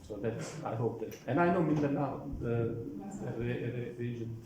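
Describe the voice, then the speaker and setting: A man, a company CEO, answering audience questions at a forum, halting and full of fillers and restarts. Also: mid-range voice, background noise. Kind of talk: panel Q&A answer. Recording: very echoey hall.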